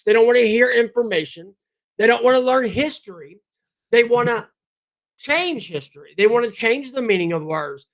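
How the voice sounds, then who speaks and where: A man hosts a political livestream in a high, bright voice. He is blunt and combative and talks straight to his viewers, and his voice is going hoarse, with frequent throat clearing. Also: rough recording. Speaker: livestream host.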